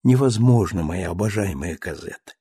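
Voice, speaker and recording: A man voicing an earnest young husband who speaks softly, gently but firmly. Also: low-pitched, animated, normal speed, breathy edge, no echo, studio quality, voice pushed down, full character voice. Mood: gentle, firm. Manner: soft, pleading, restrained.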